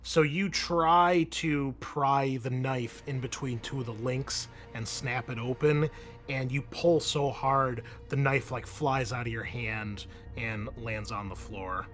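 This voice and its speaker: A man's voice: medium pitch, slow, fairly bright tone. Man game-mastering over background music. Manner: conversational, explaining rules and outcomes. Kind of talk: running a tabletop roleplaying game.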